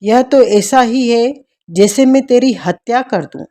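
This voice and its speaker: A loving, protective brother in a storybook tale , read by a woman, talking through grief. His lines are slow and warm, and the tone stays gentle and soft. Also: a little high, lightly acted. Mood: tender, tearful. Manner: tender, grief-stricken. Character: brave male prisoner, a loving protective brother.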